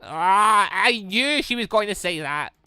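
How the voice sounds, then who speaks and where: A man hosting a let's play, reading visual novel dialogue aloud in an animated way and reacting excitedly as he goes. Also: high-pitched, unhurried, clean tone, no room sound, clean studio sound. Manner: animated, stumbles while reading and exclaims at the story.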